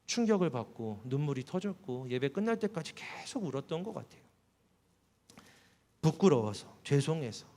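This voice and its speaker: A man preaching a sermon, a pastor telling a personal story. His voice sits a little high, and he drops it low and soft when he quotes words. The sound carries a long reverb from a church hall. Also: sing-song, moderate pace.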